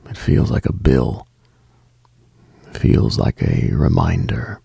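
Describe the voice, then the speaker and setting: A man hosting a late-night radio show, speaking a slow reflective monologue in a hushed, half-whispered delivery. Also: rumbling low, lively intonation, gravelly, slightly rough, dry recording.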